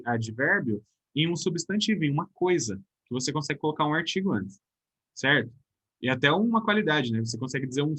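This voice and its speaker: A man's voice: on the high side, fairly bright tone, husky. A man with a Brazilian Portuguese accent teaching a recorded grammar lesson, explaining step by step and checking in with his students.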